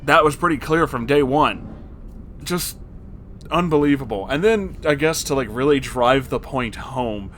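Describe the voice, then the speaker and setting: A man reading a story aloud as host and reacting to it, with an expressive, exasperated and sarcastic manner. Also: medium pitch, a little hiss or hum. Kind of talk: story narration with reaction commentary.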